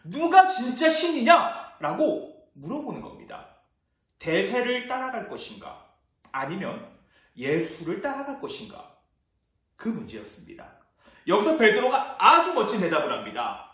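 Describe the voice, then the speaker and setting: A male youth pastor delivering a sermon to teenagers, his high, bright voice leaping up and down as he throws rhetorical questions at them. He slips in English exclamations. The room around him is strongly echoey. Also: measured pace. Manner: animated, rhetorical questions to the audience.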